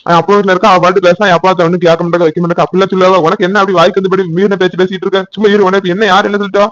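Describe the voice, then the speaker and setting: A stern middle-aged village father from a cartoon, reproachful and lecturing. He speaks very fast with a Tirunelveli Tamil accent. The voice is fairly high, on a dull, dry lo-fi track. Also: level tone, fairly bright tone, no echo.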